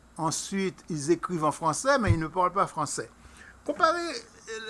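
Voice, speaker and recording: A man with a Haitian accent speaks in a raised, projected voice. His pace is fairly slow. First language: Haitian Creole (speaking French). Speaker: video commentator. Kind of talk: personal monologue. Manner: halting, repeats words.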